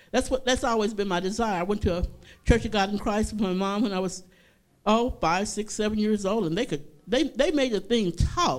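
The speech goes at a fairly quick pace on a very clean recording with a silent background. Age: 60s. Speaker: church pianist. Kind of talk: testimony. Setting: church.

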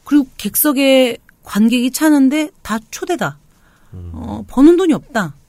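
Her voice high in pitch and dark and mellow in tone, a woman speaks at a very slow pace with lively intonation and big swings in loudness. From South Korea, Seoul. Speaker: stage actress. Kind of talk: casual interview. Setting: studio. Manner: animated; energetic.

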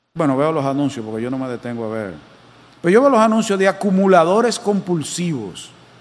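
Amid audible room echo, a high-pitched man talks at a fairly quick pace with very wide pitch swings. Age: 50s. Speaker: pastor. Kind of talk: sermon. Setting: church.

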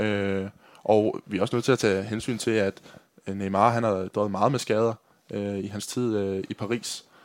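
Here a man talks at a moderate pace. His fairly low voice keeps a fairly even intonation. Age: 20s. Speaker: podcast co-host, journalism student. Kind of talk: casual chat. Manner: halting.

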